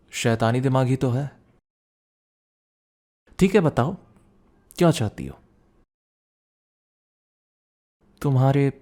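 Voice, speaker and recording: A man performs a young student boyfriend in an intimate ASMR roleplay. His voice is mellow and relaxed at a medium pitch. He speaks softly and conversationally, protective one moment and playfully suspicious the next. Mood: teasing, confused.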